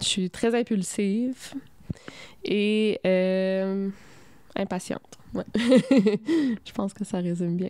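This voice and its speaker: A woman with a medium pitch and a dark, mellow tone speaks at a very slow pace, with ordinary pitch variation and long, frequent pauses. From Quebec. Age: 20s. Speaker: true crime YouTuber and author. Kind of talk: interview. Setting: hotel room.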